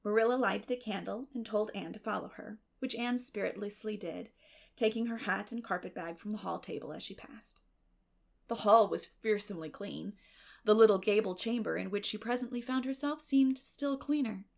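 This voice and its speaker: Creaky-voiced woman narrating a novel. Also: medium pitch, normal speed. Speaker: audiobook narrator. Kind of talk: scripted literary narration.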